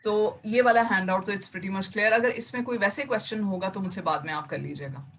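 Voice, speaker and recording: A woman's voice: medium pitch, a little fast, fairly bright tone, slight background noise. A woman teacher giving an online class, explaining terms step by step and mixing English words into her Urdu. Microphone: computer mic on a video call.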